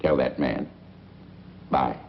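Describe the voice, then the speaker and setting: An actor playing a gruff, grumbling but good-natured small-town newspaperman in a 1940s film. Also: a bass voice, takes it slowly, heavily acted. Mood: resigned, friendly. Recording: dull, noisy 1940s film soundtrack.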